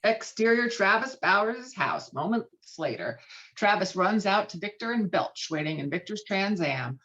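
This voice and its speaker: A woman's voice: medium pitch, expressive, normal speed, a bit bright. A woman narrating scripted stage directions at a virtual table read. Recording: dull lo-fi video call audio.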